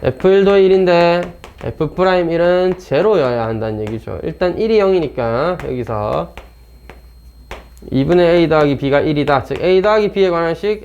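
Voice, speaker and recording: A man's voice: on the high side, a little mellow, clean tone, lo-fi sound. A man teaching math in an informal lecture, blunt and chatty, talking himself through problems. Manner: casual and blunt, talks to himself and teases the textbook.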